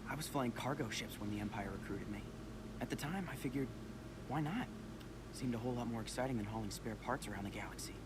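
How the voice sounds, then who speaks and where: A man playing an earnest, uneasy young pilot cadet in an animated series, sounding sincere. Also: medium pitch, fast, heavy background noise, lightly acted. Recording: loud film score behind dialogue.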